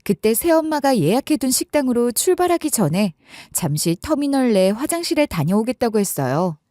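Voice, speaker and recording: A young woman narrates a personal story in a chatty, conversational tone. Her voice sits a little high and moves lively in pitch. It is recorded close and dry. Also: normal speed, dry recording.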